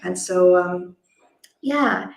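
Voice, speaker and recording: A woman's voice: lowish voice, drawn-out words, vocal fry, roomy sound. A woman hosting a casual online interview, speaking effusively and peppering her talk with "like". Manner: effusive, uses casual filler words like "like". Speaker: host and event organizer.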